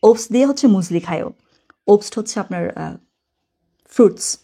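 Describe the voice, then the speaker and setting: A woman's voice: mid-range voice, lively intonation, measured pace, creaky, mellow, breathy edge. A woman teaching German from a textbook, chatty, explaining words step by step and correcting herself as she goes.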